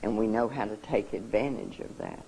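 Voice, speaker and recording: A speaker addressing a seminar audience, emotional and halting, often restarting sentences. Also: mid-range voice, wildly swooping pitch, vocal fry, warm tone, slight background noise, poor audio. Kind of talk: personal talk to an audience.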